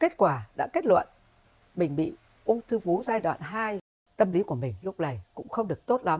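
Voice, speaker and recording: Her pitch medium with very wide swings, a woman speaks at a moderate pace with vocal fry, in a dry, close sound with no echo. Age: 60s. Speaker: cancer patient sharing testimony. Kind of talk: testimony.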